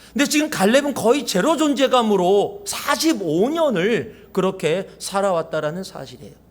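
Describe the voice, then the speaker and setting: There is noticeable background noise as a man speaks at a moderate pace with hardly any pauses. His high voice swings very widely in pitch. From South Korea. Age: 50s. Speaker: pastor. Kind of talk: sermon.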